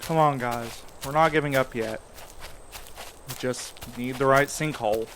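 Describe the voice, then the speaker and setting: A man playing a determined explorer urging his friends onward. His voice is mid-pitched and plain, earnest and matter-of-fact, in audio drama style. There is a little noise behind him. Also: a little slow, a bit bright, close to an everyday voice, poor audio. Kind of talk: naturalistic audio drama acting.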